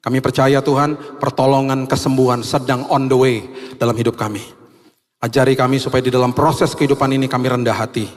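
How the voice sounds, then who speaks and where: A male pastor telling a lively personal story in a sermon and closing in prayer, acting out the dialogue. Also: medium pitch, fairly quick, long reverb tail. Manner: animated, acts out dialogue.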